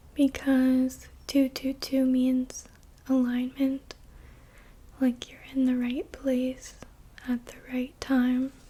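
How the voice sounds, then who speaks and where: Whispering and soft-spoken, a woman talks at a very slow pace with long, frequent pauses and big swings in loudness. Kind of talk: ASMR ramble about her day, casual talk to camera. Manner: soft-spoken, whispered.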